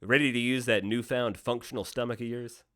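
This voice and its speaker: A man's voice: mid-range voice, fairly even intonation, fairly quick, fairly bright tone, natural voice. An actor playing the Devil in a radio play as a slick, teasing, cynical deal-maker with theatrical salesman patter. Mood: smug, coaxing. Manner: wheedling salesman patter, mock-casual, theatrical swoops.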